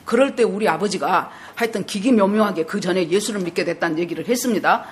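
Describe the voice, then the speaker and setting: A woman's voice: medium pitch, fast talker. A woman pastor in her sixties with a Jeolla dialect, telling a story in a sermon and putting questions to her congregation. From South Jeolla, Korea. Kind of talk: sermon with personal testimony.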